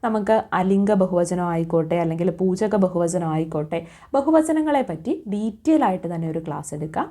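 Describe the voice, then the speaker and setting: A woman's voice: on the low side, lively intonation, fairly quick, dark tone. Woman as an exam coach, drilling quiz answers by repetition and rhetorical questions. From Kerala.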